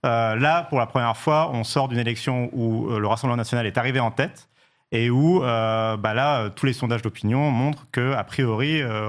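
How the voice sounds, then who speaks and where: Fast-talking man in his thirties, full of fillers. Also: mid-range voice. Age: 30s. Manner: fast, hesitant, many fillers and restarts. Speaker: journalist and campaign organizer. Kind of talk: political discussion.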